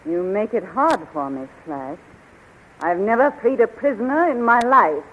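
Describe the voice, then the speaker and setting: A woman's voice: medium pitch, lively intonation, a little slow, natural voice. An actress playing an imperious, smitten queen of a magic kingdom in theatrical 1930s radio style. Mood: displeased. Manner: regal, theatrical, commanding. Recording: muffled, crackly 1930s radio recording.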